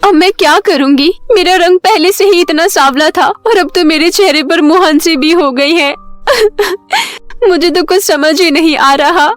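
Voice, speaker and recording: A young village daughter, acted out by a woman narrator, speaks in a high, emotional voice. She is self-conscious yet hopeful and exclaims her feelings openly, as in a storybook cartoon, with faint music underneath. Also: measured pace. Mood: anxious, tearful. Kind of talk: animated moral storybook dialogue.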